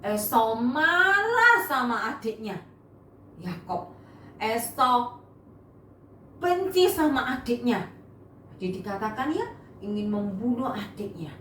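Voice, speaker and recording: A woman's voice: on the high side, takes it slowly, pauses often, a little hiss or hum. A woman Sunday school teacher telling a Bible story to children, turning to them often. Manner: animated, addresses the children often. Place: church classroom. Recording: echoey room, mic far off.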